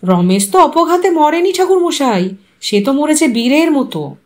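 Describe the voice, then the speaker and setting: A woman's voice: sits high, very animated, moderate pace, pitched above the performer's own voice. A woman voicing a humble, meek village father in an audio story, plain-spoken and hesitant. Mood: protesting.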